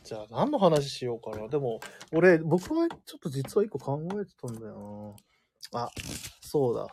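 A man's voice: medium pitch, sing-song, darkish tone, a little hiss or hum. A man hosting a live radio show in a studio, chatting casually and joking with a guest. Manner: fast, joking, laughs often. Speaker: radio host.

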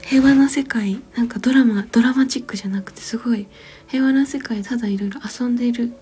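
Softly whispering mellow-voiced woman. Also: fairly high pitch, quick pace. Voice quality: soft whisper. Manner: gentle, rambling, with frequent fillers and soft laughs. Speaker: mother. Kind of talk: whispered casual storytelling.

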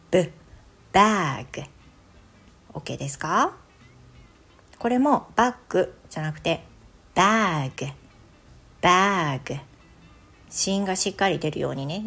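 A woman with a low, gravelly, husky voice teaches phonics casually, like a podcast. She chats easily and then slows down to sound out each letter with emphasis. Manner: relaxed and chatty, models sounds slowly and emphatically. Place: home recording for an audio app.

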